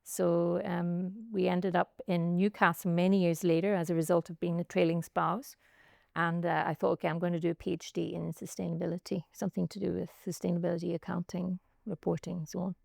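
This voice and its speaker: Woman, Northern Irish accent, low pitch, gravelly fry, reflective, unhurried interview guest. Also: flat delivery, a little mellow, dry recording, studio quality. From Northern Ireland. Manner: reflective, unhurried storytelling with frequent "um" and "and so on". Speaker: guest, chartered accountant and academic. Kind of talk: conversational interview answers. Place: outdoors by a pool.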